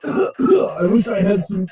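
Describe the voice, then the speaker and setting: A man playing a sick, lonely trucker streamer who coughs and begs for donations, with a hoarse, scratchy throat and a self-pitying manner. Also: high-pitched, sing-song, drawn-out words, music in the background, heavily acted. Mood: whiny. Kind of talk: comic parody clip.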